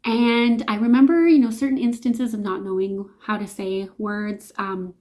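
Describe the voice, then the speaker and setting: A woman's voice: medium pitch, fairly even intonation, normal speed, a little mellow. A woman with a Canadian accent talking to camera in a casual, chatty, informal vlog style. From Canada, immigrated from Slovakia at five. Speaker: vlogger, host.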